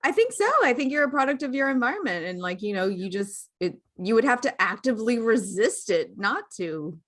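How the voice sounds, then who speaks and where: A woman's voice: on the high side, big pitch swings, fairly quick, a bit bright, dry recording, clean studio sound. A woman co-hosting a podcast in casual chat, mostly reacting with short wry remarks. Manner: brief reactive interjections and wry asides. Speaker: podcast co-host.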